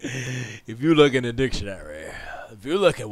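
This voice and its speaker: There is noticeable background noise behind this voice. A man speaks at a moderate pace with a fairly low pitch. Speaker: streamer making music. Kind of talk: casual live stream chat. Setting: home studio.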